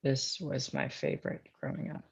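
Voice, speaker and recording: A man's voice: mid-range voice, flat delivery, moderate pace, gravelly, slightly rough, no room sound, heavily acted. An actor playing an eager, tender young laborer courting his sweetheart in a screenplay table read. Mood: earnest, affectionate.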